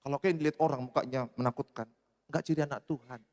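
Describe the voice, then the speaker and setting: A man preaching a sermon as pastor, speaking in a humorous, animated way. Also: medium pitch, quick pace. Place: church hall. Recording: reverberant church hall.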